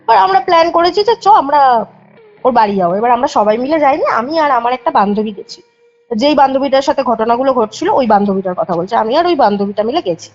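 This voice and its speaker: High-voiced young woman on a muffled call. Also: expressive, fast. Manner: rambling, self-correcting, vivid retelling. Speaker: caller telling a ghost story. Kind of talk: casual storytelling on a call. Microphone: phone.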